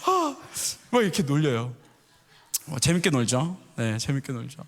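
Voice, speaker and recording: Animated middle-aged male pastor. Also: mid-range voice, moderate pace. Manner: storytelling, acts out voices, asks the congregation questions. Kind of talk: sermon. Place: church sanctuary. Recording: echoey church hall.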